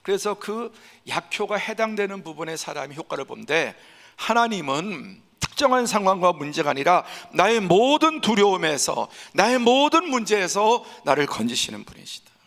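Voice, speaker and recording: Gravelly-voiced pastor preaching in a reverberant church. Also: male voice, high-pitched, big pitch swings, normal speed. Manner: emphatic, building to forceful peaks; acts out scenes in a hushed voice. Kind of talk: Sunday sermon. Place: church sanctuary.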